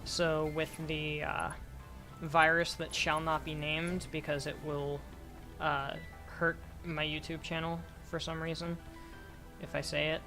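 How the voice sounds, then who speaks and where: A hoarse young woman streaming a game, rambling casually and talking to herself as she plays. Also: low voice, level tone, measured pace, bright, forceful tone, faint music behind. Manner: rambling, talks to herself while playing. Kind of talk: casual gameplay commentary.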